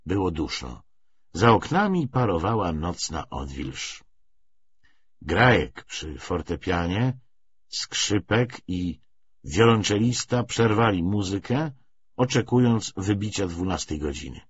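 Male narrator, low-pitched, animated intonation, literary audiobook reading, dull muffled recording. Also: slow, slightly rough.

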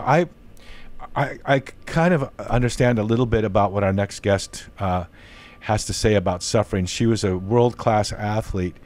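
An older man with a lowish voice hosts an interview show from his book-lined home study. He speaks earnestly into a close studio mic, often stumbling and restarting his sentences. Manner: earnest, halting with frequent restarts. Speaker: host. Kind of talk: podcast interview. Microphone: studio mic on boom arm, headphones.

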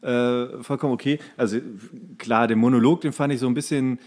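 A male podcast co-host chats casually at a medium pitch. His speech is colloquial and loosely built. He rambles, often leaving sentences unfinished before starting the next thought. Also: steady tone, a little fast, a little mellow. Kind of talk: casual chat about series.

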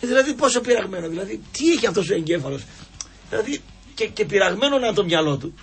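A man's voice: high-pitched, very animated, creaky. A middle-aged man hosting a sports radio show, talking in a rambling, teasing way with lots of fillers and mocking asides. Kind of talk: casual sports radio chat.

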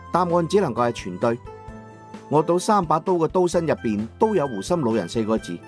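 A man with a Cantonese accent narrating a novel in the first person, in an expressive, dramatized storytelling manner. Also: mid-range voice. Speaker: audiobook narrator.

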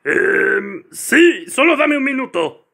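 Scheming cartoon crocodile glutton, gravelly, high-pitched, sharp and wildly animated. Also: male voice, takes it slowly, exaggerated voice. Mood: gleeful scheming. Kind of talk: cartoon fan dub acting.

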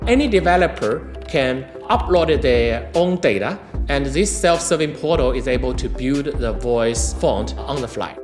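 A man's voice: medium pitch, lively intonation, a little slow, few pauses. A middle-aged man, not a native English speaker, explaining technology in a promotional interview. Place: modern office interior. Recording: roomy, music behind.

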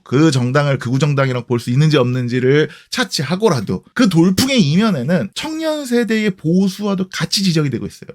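A man in his late thirties giving casual spoken commentary to his channel's viewers, explaining his views with rhetorical questions. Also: high-pitched. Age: 30s. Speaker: history YouTuber.

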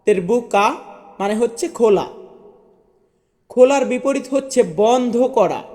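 A man with a notably high voice gives an online language lesson. He drills each word slowly and says it over and over. The long room reverb trails behind every word. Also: a little mellow, soft background music. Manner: slow, repetitive word drilling. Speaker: language teacher.

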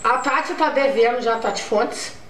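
A woman's voice: fairly high pitch, moderate pace, over a noisy crowd. Young Brazilian woman chatting, echoey room. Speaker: vlogger. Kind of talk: casual chat to camera. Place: home kitchen and living room, indoors. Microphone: camera mic at table distance. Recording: roomy echo, distant mic, faint noise.

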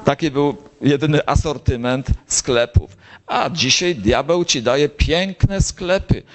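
A priest giving a sermon to a gathering, slowly telling the story and rising to high, emphatic lines. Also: male voice. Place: gathering of bible circles.

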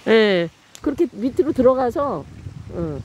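Female vlog narrator, very lively intonation, unhurried pace, cheering commentary, faintly noisy outdoor recording. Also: on the high side. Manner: excited cheering and exclaiming. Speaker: camera operator and narrator. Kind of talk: live running commentary, casual vlog. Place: outdoors beside a snowy stream. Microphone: behind the handheld camera.

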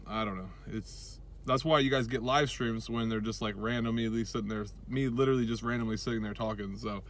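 A man's voice: medium pitch, fairly even intonation, brisk, a bit bright. A man in his thirties rambling casually to a camera close by while sitting in a car. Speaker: vlogger. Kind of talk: casual rambling vlog chat. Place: inside a car. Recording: car and street noise behind voice.

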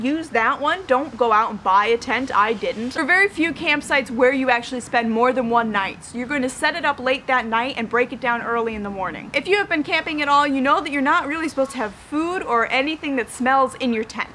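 A young woman in her twenties giving casual camping advice outdoors in front of a tent, chatty and quick to laugh. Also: sits high, bright, forceful tone, a little hiss or hum. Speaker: student vlogger.

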